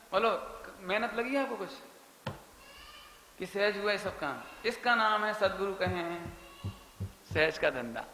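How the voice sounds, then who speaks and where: A man giving a sermon, telling family anecdotes and voicing the people in them. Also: sits high. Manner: storytelling, softly voicing family members in quoted lines. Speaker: Jain preacher. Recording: echoey hall with long reverb, faint ambience.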